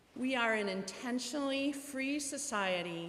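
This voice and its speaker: A woman with an American accent speaks at a fairly slow pace. Noticeable background noise runs underneath. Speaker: congregation member, worship leader. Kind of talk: announcements. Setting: church. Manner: reserved, low-key.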